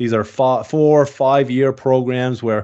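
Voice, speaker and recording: A man with an Atlantic Canadian accent, medium pitch and fairly even intonation. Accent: Canadian (Atlantic Canada). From East Coast of Canada. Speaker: refrigeration trainer and mentor. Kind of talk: podcast interview.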